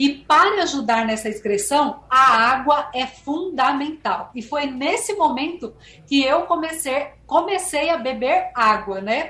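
This woman talks very slowly in a high, raised, projected voice with a bright, sharp tone, lively intonation and hardly any pauses. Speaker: pharmacist. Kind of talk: radio interview, explaining. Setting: radio studio.

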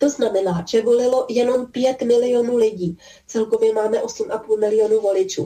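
With a Czech accent, a woman talks at a moderate pace, keeping her loudness very even and her intonation fairly even. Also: fairly high pitch for a woman. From Czech Republic. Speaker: political party activist.

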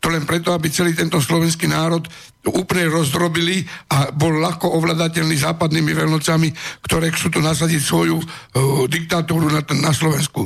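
A man speaks fairly quickly at a fairly high pitch, in a monotone, flat delivery with very even loudness. Noticeable background noise can be heard. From Slovakia, Trnava. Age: 60s. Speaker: pensioner. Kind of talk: studio panel discussion. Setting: studio. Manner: halting.

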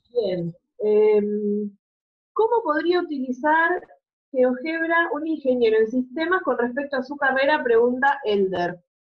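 A woman speaks at a very slow pace and a high pitch. Her intonation is lively. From Argentina. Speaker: moderator. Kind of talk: moderated Q&A. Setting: video call.

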